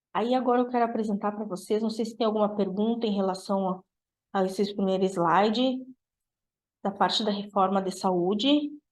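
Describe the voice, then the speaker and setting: With audible room echo, a woman speaks at a moderate pace with medium pitch and fairly even intonation. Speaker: nutritionist. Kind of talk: health talk to church group.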